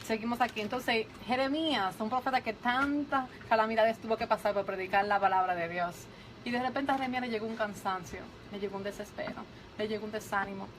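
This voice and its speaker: A woman's voice: fairly high pitch, fairly even intonation, brisk, slight background noise, low-quality recording. A woman co-hosting a Christian radio program, adding amens and preaching earnestly from scripture. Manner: answers with soft amens, then preaches earnestly. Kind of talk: radio preaching with spoken affirmations.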